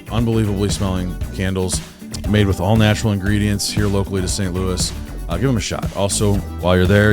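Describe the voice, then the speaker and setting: A male podcast co-host with a deep voice, reading a sponsor spot and chatting in an easygoing way. Music plays clearly behind him. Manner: easygoing, short interjections. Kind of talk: sponsor read and casual chat.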